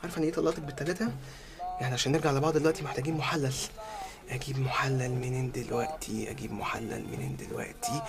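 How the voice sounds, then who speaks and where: An actor with an Egyptian accent playing an impulsive husband in a comedy film, swinging from shouting to muttering. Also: male voice, a little high, steady tone, very fast, natural voice.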